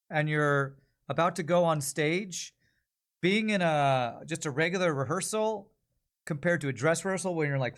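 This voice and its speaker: Man, livestream host, slightly high-pitched voice, casual chat, rambling, thinking aloud. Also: a bit bright.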